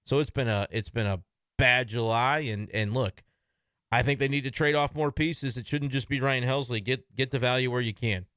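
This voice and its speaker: A man's voice: medium pitch, moderate pace, fairly bright tone, clean tone, no room sound, clean studio sound. Frank, conversational male sports commentator. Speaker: baseball team commentator. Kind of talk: casual solo commentary. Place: at his computer desk.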